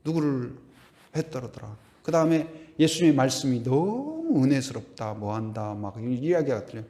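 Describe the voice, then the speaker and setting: A middle-aged pastor with a medium-pitched voice preaches a Sunday sermon at normal speed. He is animated, puts questions to the congregation, and occasionally hums or sings a line from a hymn.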